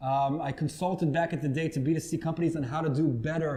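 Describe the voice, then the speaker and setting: Very fast speech from a man with an American accent, pitched fairly high, with fairly even intonation. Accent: American-sounding. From Israel. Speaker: marketing executive. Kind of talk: conference talk. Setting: stage with audience. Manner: hesitant with fillers.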